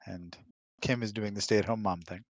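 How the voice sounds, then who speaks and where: A man's voice: fairly low pitch, steady tone, moderate pace, no room sound. A man in his thirties talking casually in an easygoing, joking way. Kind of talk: casual chat. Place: indoors, close and dry online voice hangout.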